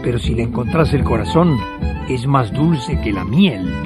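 A man's voice: mid-range voice, lively intonation. Argentine man narrating radio theatre over music. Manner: poetic, deliberate, repeating phrases. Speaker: host and narrator.

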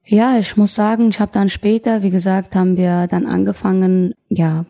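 A woman in her thirties from Afghanistan, thoughtfully telling her own story as an interview guest, often pausing and restarting. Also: mid-range voice, level tone, mellow. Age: 30s. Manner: thoughtful, searching for words, frequent restarts. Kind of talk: personal testimony in conversation.

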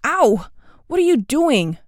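A woman's voice: a little high, animated, moderate pace, a little mellow, smooth, no room sound, clean studio sound, natural voice. A woman voicing a mocking schoolboy bully who taunts another boy. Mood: pained. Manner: taunting, sneering.

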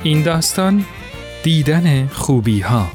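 A man narrating a story in an expressive, acted-out way. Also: a little high, music in the background. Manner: expressive, voices characters.

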